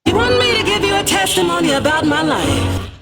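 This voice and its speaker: A tiny chipmunk squeak, soaring and swooping with a gravelly edge under the helium shine. Several copies of it are stacked over one another, making the line sound slow and earnest, dry and close. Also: male voice, lively intonation, a bit bright, no room sound, faint music behind, exaggerated voice. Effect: pitch-shifted helium voice layered over duplicated tracks.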